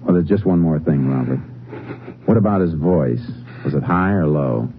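An actor playing a steady Texas Ranger in a 1950s radio drama, terse and methodical, narrating and questioning in a matter-of-fact way. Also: male voice, rumbling low, normal speed, slightly rough, full character voice. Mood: calm questioning. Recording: dull old 1950s radio recording, music.

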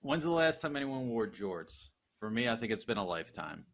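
A man from Philadelphia co-hosting a sports podcast, tossing out quick, playful quips. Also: mid-range voice, big pitch swings, creaky, a crowd in the background. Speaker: podcast co-host. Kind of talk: casual chat.

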